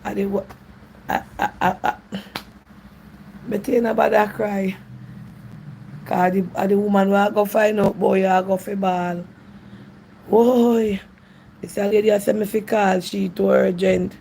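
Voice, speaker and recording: Gravelly-voiced Jamaican woman hosting a live stream. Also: mid-range voice, a little slow, pauses often, slight background noise, poor audio. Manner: animated, exclaims to God, laughs often. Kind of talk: casual live-stream chat with callers.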